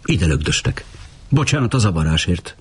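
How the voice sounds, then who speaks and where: A man's voice: deep voice, big pitch swings, husky, voice pushed up, exaggerated voice. A man reading an audiobook, voicing a blunt, defiant young Jewish man from Rome with terse replies. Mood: curt.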